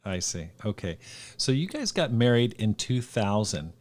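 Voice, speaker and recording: A male podcast host with a fairly low voice and an upbeat, encouraging delivery. He introduces his guests warmly and leads the interview with clear questions. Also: big pitch swings, a little slow.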